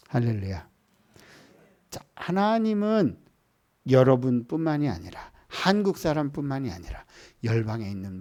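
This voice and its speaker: A man preaches a sermon to a church congregation, his voice sitting a little high. He moves from quiet, hushed storytelling to lifted, emphatic lines. He also leads the room in reading scripture aloud. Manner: swings between soft hushed storytelling and raised emphatic lines. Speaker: missionary preacher. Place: church service.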